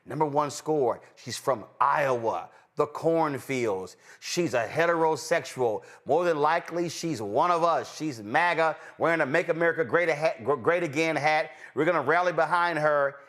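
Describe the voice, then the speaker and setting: A man's voice: normal speed, hardly any pauses, a bit bright. Emphatic Texan man hosting commentary. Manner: emphatic, swings between high exclamations and low asides. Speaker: host. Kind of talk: animated political commentary.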